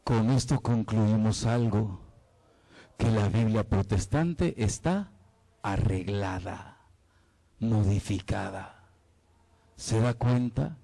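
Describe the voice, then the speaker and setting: A man's voice: fairly low pitch, takes it slowly, creaky, pauses often, warm tone, poor audio. A man from El Salvador, giving a dramatic, playful Catholic apologetics talk and quizzing his listeners.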